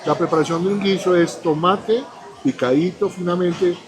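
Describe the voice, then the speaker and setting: A man's voice: sits high, moderate pace, a crowd in the background. A man, a server in a restaurant, plainly listing ingredients and telling the guest what to taste next. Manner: lists ingredients plainly and directs tasting. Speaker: server explaining dishes. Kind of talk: explaining food.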